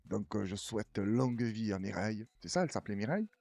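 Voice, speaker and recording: A man's voice: fairly low pitch, animated, fast talker, vocal fry, darkish tone, soft background music. A man casually rambling through a reaction commentary, chatty and laughing often. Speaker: news commentary host.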